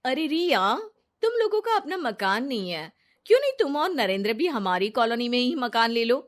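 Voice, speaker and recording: A woman voicing a jealous, scheming friend in a cartoon story, forceful and self-serving. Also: a little high, sing-song, moderate pace, voice pushed up. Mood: pushy.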